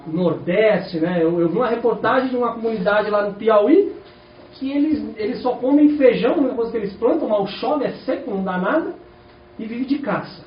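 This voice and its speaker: Speaking at a moderate pace in a high voice, this Brazilian preacher keeps asking his congregation rhetorical questions in an animated sermon. His Brazilian Portuguese accent comes through a distant, echoey, dull church-hall recording with slight background noise.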